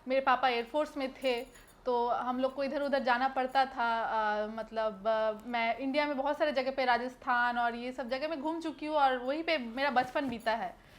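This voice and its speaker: A woman's voice: high voice, steady tone, moderate pace. A young woman from Kolkata, an actress answering interview questions in a chatty way with hesitant fillers and English phrases mixed in. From Kolkata, West Bengal, India.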